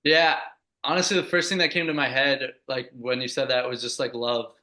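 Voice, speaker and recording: A man's voice: medium pitch, little pitch movement, moderate pace, sharp tone. A man in his twenties, a podcast guest, answering earnestly in a casual way with many "like" and "just" fillers. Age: 20s.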